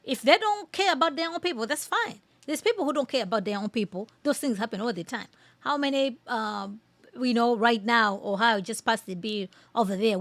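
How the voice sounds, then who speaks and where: A woman from Malawi with a fairly high voice gives casual reaction commentary. She is emphatic and repeats her phrases for stress. The recording is close and dry, with very little room sound. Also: no echo. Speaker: podcast host giving commentary.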